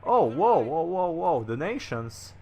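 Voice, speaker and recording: A man's voice: a little high, very animated, measured pace, creaky, darkish tone. Rambling young gaming streamer, a man. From Slovenia. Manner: rambling, filler-heavy, repeats words. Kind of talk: casual livestream chat, answering viewer comments.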